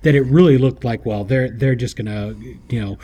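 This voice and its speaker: A man co-hosts a relaxed chat and tells stories with animation, acting out the lines he quotes. His voice is husky and mellow. He sounds warm and rounded rather than bright. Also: medium pitch, moderate pace. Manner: animated storyteller who acts out quotes. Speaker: podcast co-host. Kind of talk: casual chat.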